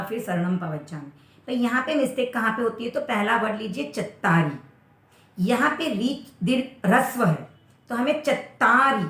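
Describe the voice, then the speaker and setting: Woman with a high-ish voice giving a pronunciation lesson, drawn-out syllables, echoey room. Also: a bit bright. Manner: slows down to spell out words syllable by syllable. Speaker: pronunciation teacher.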